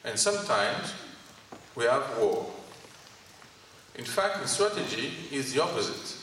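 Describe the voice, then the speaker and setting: A man with a Greek French accent giving a lecture to an audience in a college hall, speaking in short halting phrases and asking the audience questions. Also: mid-range voice, very animated, a bit bright. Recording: echoey hall from far off, faint noise.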